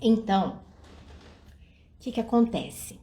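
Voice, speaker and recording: A woman's voice: a little high, lively intonation, takes it slowly, dark tone. A middle-aged woman speaks outdoors at night in a live-stream talk on raising children. She talks to her viewers directly and acts out the words of parents and children. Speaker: early childhood education speaker.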